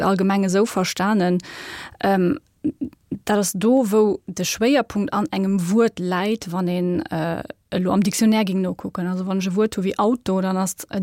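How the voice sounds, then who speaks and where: Young woman, Luxembourgish accent, academic guest; measured, filler-heavy explaining, mid pitch, close dry studio sound. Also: darkish tone, no echo. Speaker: linguist guest. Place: radio studio.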